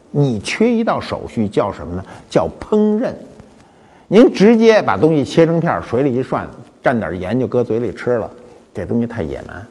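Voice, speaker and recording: A man's voice: medium pitch, a little mellow, slightly rough, long reverb tail. An older man, hosting a casual talk on antiques with wry, storytelling asides. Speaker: host of a web talk show. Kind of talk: casual spoken lecture on antiques.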